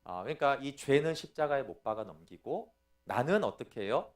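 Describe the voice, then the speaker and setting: A man's voice: medium pitch, sing-song, moderate pace. A middle-aged man, a pastor, giving a teaching sermon in an explanatory way and often checking in with his listeners. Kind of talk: sermon lecture.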